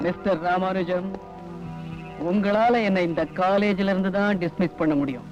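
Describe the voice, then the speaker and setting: A man's voice: high-pitched, normal speed, soft background music, lightly acted. An actor playing an arrogant young male student who coldly threatens his professor. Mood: menacing. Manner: cold and menacing. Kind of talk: 1980s Tamil film dialogue. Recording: dull film soundtrack.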